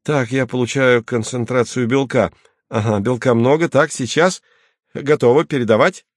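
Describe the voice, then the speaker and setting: A man voicing an excitable, easily offended male hunter who talks loudly and pompously. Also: normal speed, no echo, studio quality, lightly acted. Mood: puzzled, busy. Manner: loud, indignant, higher-pitched.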